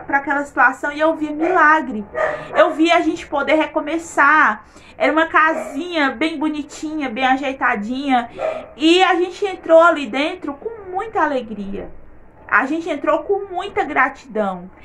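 A woman's voice: high voice, animated, moderate pace, pushed and bright, slight background noise. A woman giving an earnest faith testimony in her vlog, repeating words for emphasis.

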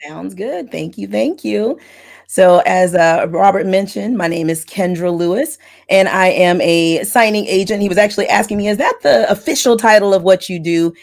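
A woman's voice: mid-range voice, normal speed, creaky. A middle-aged woman from Florida, raised in Texas, talking at length about her notary work in a casual video-call interview from her home office. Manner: wordy, chatty, explains in detail. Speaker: mobile notary loan signing agent and channel host. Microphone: earbud headset on a video call.

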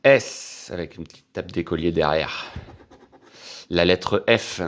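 A man, quietly commenting as he scratches lottery tickets for his channel. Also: sits low, takes it slowly. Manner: quiet running commentary, excited when winning. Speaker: scratch-card vlogger.

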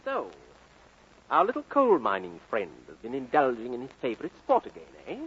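An actor playing a cruel, sneering schoolmaster in a vintage film drama, pompous, sarcastic and clipped. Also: male voice, mid-range voice, huge pitch swings, a little fast, a bit bright, slightly rough, exaggerated voice. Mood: menacing. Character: cruel, sneering schoolmaster who sadistically bullies his pupils. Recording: dull, noisy vintage soundtrack.

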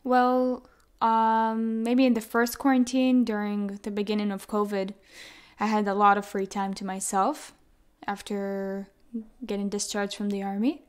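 A young woman in her twenties with an American accent, talking as a guest in a relaxed interview. Her voice sits at an ordinary middle pitch. She speaks earnestly, often doubling her words for emphasis. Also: unhurried, clean tone. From Israel. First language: Hebrew. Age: 20s. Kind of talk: casual interview conversation.

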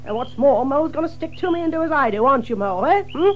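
An actor playing a stubborn, loyal, grumbling river rat in an audio drama, huffy and plain-spoken. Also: male voice, very high-pitched, expressive, rapid-fire, dull audio, soft background music.

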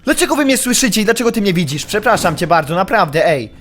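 A young man commenting on a horror game he is playing, excitable, yelping when startled and muttering while he sneaks. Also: high voice, fast talker, faint music behind. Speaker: gaming YouTuber.

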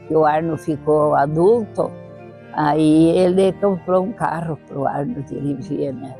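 An eighty-year-old woman whose first language is Italian, speaking with a southern Brazilian accent, reminisces during an interview on an outdoor terrace. Her voice is low-pitched and dark in tone, picked up by a clip-on lapel mic.

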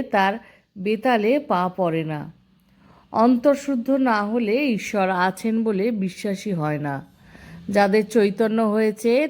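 Brief: woman, unhurried devotional storyteller, mid-pitched voice, measured delivery. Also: a little mellow. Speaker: spiritual storyteller. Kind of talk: devotional reading and retelling.

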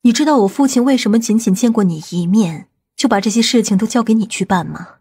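A woman playing a composed, authoritative middle-aged aunt in audiobook drama dialogue, speaking in a measured way. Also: fairly high pitch, dark tone, breathy edge. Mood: gentle, reflective.

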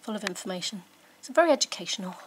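A woman's voice: medium pitch, expressive, rapid-fire, a bit bright, slight background noise, poor audio. Chatty woman vlogging while she unpacks. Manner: chatty, enthusiastic, thinking aloud while sorting. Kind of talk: casual vlog chat. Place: living room at home, indoors. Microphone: handheld camera mic, filming herself close up.

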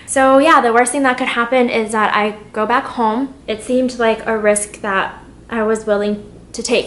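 A beauty vlogger films a chatty get-ready-with-me video, a young woman doing her makeup at home while rambling candidly about her feelings and sometimes getting emotional. Her voice sits on the high side with a fairly bright tone, and the roomy recording carries a little hiss or hum.

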